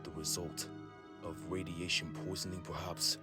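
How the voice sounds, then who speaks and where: A man voicing a dignified, calm, wise blind Mongolian tribal chief, speaking formally and deliberately in an amateur comic dub. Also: sits low, close to an everyday voice. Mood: formal, measured. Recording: loud film-score music under voice.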